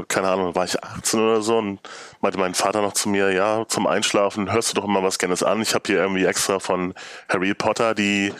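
Low-voiced man in his thirties. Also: a bit bright, no echo, studio quality. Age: 30s. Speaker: podcast guest. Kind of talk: casual chat.

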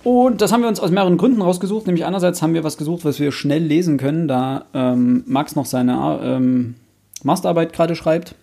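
A man's voice: fairly high pitch, fairly quick, gravelly, warm tone. A young man hosting a casual book discussion, thinking aloud in a hesitant, self-correcting way. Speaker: podcast host.

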